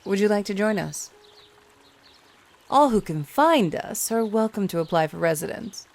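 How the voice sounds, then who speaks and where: An actress playing a haughty, menacing envoy of an elite enclave, deliberate and mock-polite, in a radio drama broadcast. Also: female voice, mid-range voice, lively intonation, darkish tone, lightly acted. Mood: coolly inviting.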